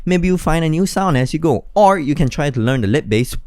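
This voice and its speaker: A man's voice: a little high, expressive, a little fast, darkish tone, a little hiss or hum. A man teaching beatbox step by step in an encouraging, instructional way. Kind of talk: step-by-step tutorial.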